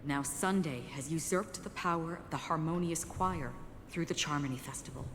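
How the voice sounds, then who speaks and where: An actress playing a composed, solemn woman in a video game, speaking in measured, formal lines. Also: sits low, in a large hall, slight background noise, lightly acted. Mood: solemn, explaining. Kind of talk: scripted game dialogue.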